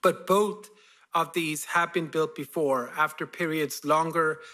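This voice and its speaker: Irish guy around fifty, kinda high voice, slow careful lecture. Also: steady tone, sharp tone. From Ireland. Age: about 50. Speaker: guest speaker, foreign policy expert. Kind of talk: formal lecture, then panel answers.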